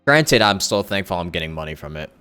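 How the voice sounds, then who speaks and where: Male streamer, low smooth voice, informal and rambling, talking to viewers over faint music. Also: expressive, fast talker, sharp tone. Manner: rambling, thinking aloud, self-correcting. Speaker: live streamer and content creator. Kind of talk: casual livestream chat with viewers. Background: background music.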